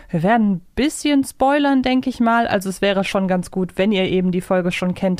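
A woman's voice: mid-range voice, darkish tone, no echo, clean studio sound. A woman hosting a podcast in a conversational way. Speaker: podcast host.

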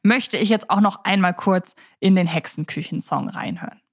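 A woman's voice: mid-range voice, normal speed. Woman chatting as a podcast co-host.

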